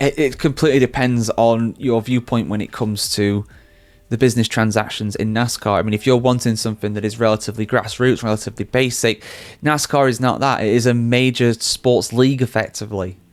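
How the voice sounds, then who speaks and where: Speaking at a fairly quick pace with an English accent, a man keeps a fairly even intonation at medium pitch in a very clean recording with a silent background. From England. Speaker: motorsport commentator. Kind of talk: video commentary. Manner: conversational.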